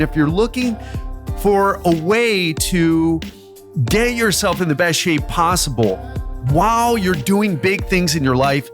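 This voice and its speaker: A man's voice: on the high side, fairly bright tone. A man hosting a podcast, introducing his guest in an upbeat, enthusiastic way. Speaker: podcast host. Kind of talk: podcast interview.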